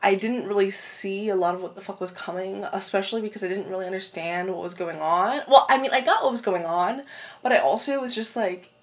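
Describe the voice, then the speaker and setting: A woman's voice: medium pitch, fairly quick. Congested woman rambling about books. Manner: rambling, swears casually, laughs often. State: congested, clogged-up throat. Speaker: book vlogger. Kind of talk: casual book review chat. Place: home room with window open.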